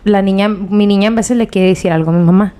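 A woman and mother in casual podcast chat, telling animated stories and mixing Spanish slang with English. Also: mid-range voice, quick pace, clear, resonant tone. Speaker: podcast co-host.

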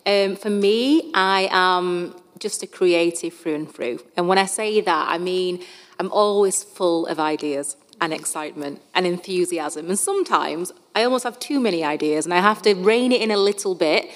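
A woman's voice: lowish voice, normal speed. A woman with a Bradford accent answering interview questions in an open, reflective, conversational way. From Bradford, England. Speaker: guest artist, soul singer. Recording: echoey hall-like reverb.

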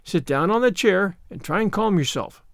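A man voicing a stern, practical older woman, a child's guardian in an audiobook, in a brisk, disapproving, matter-of-fact way. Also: sits high, expressive, creaky, no room sound, clean studio sound. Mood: firm, reluctant. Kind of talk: audiobook character voice.

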